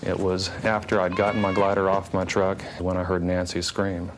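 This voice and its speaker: Man, very low and monotone, calm interview testimony, noisy backdrop. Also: moderate pace. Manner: calm, matter-of-fact recollection. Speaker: hang glider pilot, witness.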